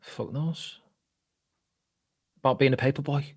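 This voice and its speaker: A man with a Manchester accent, a guest on a podcast, teases the host deadpan and swears often. His voice has an ordinary middle pitch for a man. The recording is close and dry. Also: unhurried, breathy edge, no echo. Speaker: guest, actor and comedian. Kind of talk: casual banter.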